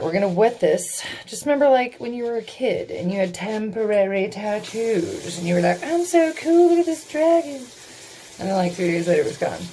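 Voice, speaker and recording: A woman's voice: on the low side, a little mellow, slight background noise. A young woman vlogging casually, rambling and giggling nervously as she talks to the camera, swearing often. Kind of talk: casual beauty vlog.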